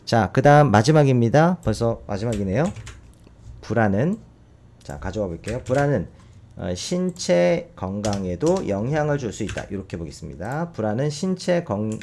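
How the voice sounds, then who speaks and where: Man, teacher, recorded lesson, lively pitch, slow repeated word drills, keyboard typing behind. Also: slight background noise. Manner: explains step by step, models English words slowly and repeatedly. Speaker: English teacher. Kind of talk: recorded vocabulary and pronunciation lesson.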